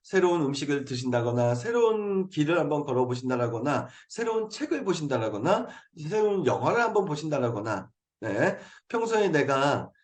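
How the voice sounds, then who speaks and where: A man giving an earnest motivational talk to a video-call group, coaxing listeners and often saying a quick affirming "yes" between points. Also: a little high, very animated. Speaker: motivational speaker hosting a habit program. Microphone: video call mic.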